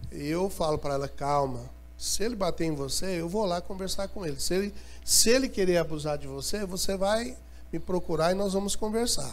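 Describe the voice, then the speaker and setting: Audible room echo follows a man as he talks fairly quickly. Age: 50s. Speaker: missionary. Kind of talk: missionary presentation.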